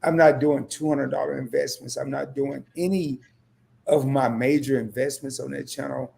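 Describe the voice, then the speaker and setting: A hoarse man who has nearly lost his voice, chatting on a livestream as a co-host and turning rousing and emphatic, repeating himself as he gets worked up. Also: medium pitch, fairly even intonation, moderate pace, dark tone. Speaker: fellow credit YouTuber and co-host. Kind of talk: casual livestream chat.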